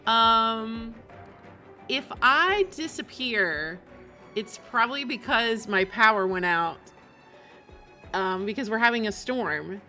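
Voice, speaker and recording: A woman's voice: on the high side, lively intonation, takes it slowly, sharp tone, soft background music. A woman game streamer chatting casually and talkatively to her live audience. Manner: chatty, often laughs while talking.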